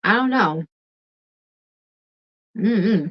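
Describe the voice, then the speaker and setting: A woman hosting a late-night tarot livestream, chatting casually with viewers in a relaxed, calming voice and laughing often. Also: medium pitch, very slow, dull audio. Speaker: tarot reader and livestream host.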